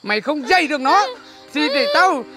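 Harsh village woman, bossy, scolding, high voice, faint music behind, TV drama. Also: expressive, moderate pace. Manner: domineering, scolding, orders people around. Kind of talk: television drama acting.

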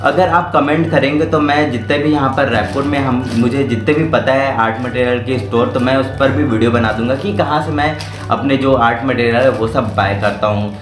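A young man from central India talks casually to the camera as he shows off his art supplies, slipping English words into his chat. His voice sits at an everyday middle pitch. The room is echoey, with faint music underneath. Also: steady tone, a little fast. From Raipur, Chhattisgarh, India. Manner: chatty and informal, mixing English words into Hindi. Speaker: art channel host.

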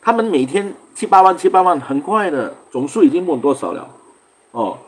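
A man's voice: on the high side, sing-song, normal speed, husky. A man from Singapore hosting a casual livestream, chatting loosely, greeting viewers by name and laughing often. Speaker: livestream host.

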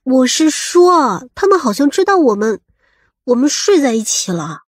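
A woman playing a sharp-tongued, coquettish lover in an audiobook, pouting and reproachful. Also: sits high, big pitch swings, moderate pace, breathy edge, no room sound, studio quality, exaggerated voice.

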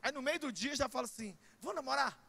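A middle-aged man with a Brazilian Portuguese accent preaching a sermon in a church, animated and shouting, with comic asides. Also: very high voice, fast. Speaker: pastor.

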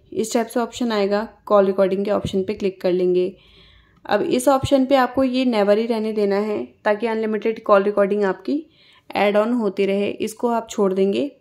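A woman's voice: on the high side, darkish tone. Indian woman giving a phone tutorial. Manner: instructional, conversational. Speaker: tutorial host. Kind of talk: casual step-by-step phone tutorial.

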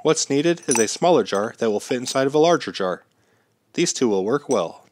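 A man in his thirties hosting a how-to channel, narrating step-by-step instructions in a steady, plain way while slightly sick. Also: medium pitch, moderate pace, slight background noise. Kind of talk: scripted how-to voice-over.

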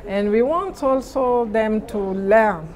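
A middle-aged woman with a Cameroonian accent answers interview questions haltingly, searching for words. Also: fairly high pitch, a little mellow. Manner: halting, searching for words in non-native English. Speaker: interviewee, NGO president. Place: large indoor conference venue lobby.

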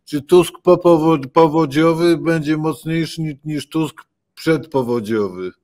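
A man's voice: a little high, unhurried, a little mellow. A man hosting a political panel over a video call from a home study, often stopping and repeating words as he frames his questions. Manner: hesitant, repeats words while framing questions. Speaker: host.

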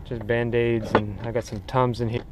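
A man with a medium-pitched voice talks at normal speed as he casually presents his kayak gear, rambling and relaxed with many "uh"s. It's recorded on the water by a kayak-mounted action camera, with noisy wind and water in the audio.

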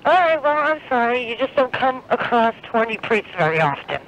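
A man's voice: extremely high pitch, big pitch swings, normal speed, fairly bright tone, slight background noise, poor audio. A man answering a prank call as a salesperson, growing exasperated. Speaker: salesperson on the phone.

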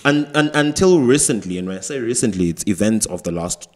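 A young man co-hosting a podcast in a small studio, talking reflectively with halting restarts. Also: fairly low pitch, animated, a little mellow. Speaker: podcast co-host. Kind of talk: casual panel discussion. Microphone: studio mic with headphones.

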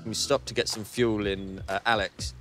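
A man's voice: on the low side, steady tone, normal speed, a bit bright, soft background music. A man in his thirties with a New Zealand accent, telling his story in an easygoing, plain-spoken way in an outdoor interview. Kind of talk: casual interview. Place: outdoors by a harbour.

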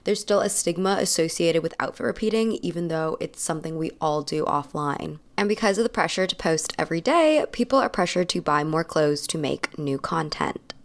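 A woman's voice: deep voice, lively intonation, normal speed, hardly any pauses. A young woman in her twenties with a congested, slightly nasal voice from a cold, talking into a handheld mic in a small room in a wry, opinionated scripted video essay with emphatic asides. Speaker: fashion commentary host. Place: small indoor room with lamp and plant. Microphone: handheld mic held close.

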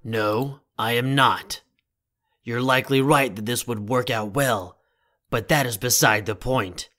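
A man playing a stern, protective young CEO in an audio drama, speaking formally and deliberately with a commanding manner. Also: medium pitch, pushed and bright. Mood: firm, dismissive.

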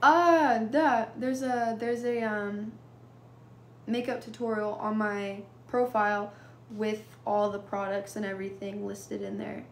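On a phone livestream, a young adult woman from California chats sleepily with viewers, reading comments and answering in short, casual bits. Her medium-pitched voice stays steady at a measured pace. Held close to her face in a small indoor room, the phone picks up reverberation and a little hiss or hum.

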